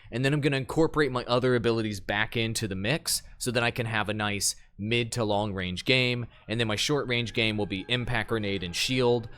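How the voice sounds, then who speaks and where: A man's voice: medium pitch, fairly bright tone. A man doing casual live gameplay commentary, chatting with viewers in a slangy, joking manner. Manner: slangy, joking, talks to chat. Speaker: live game streamer. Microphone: streaming microphone.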